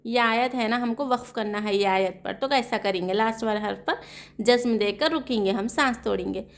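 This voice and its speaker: A woman Quran reading teacher with a South Asian Urdu-Hindi accent, slowly spelling out letters and vowel marks and explaining the rules with questions. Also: a little high. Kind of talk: slow spelled-out recitation lesson.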